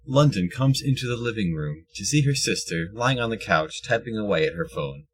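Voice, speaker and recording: A man narrates an audio drama from a script. His voice is very low and noticeably husky. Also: lively intonation, a little fast.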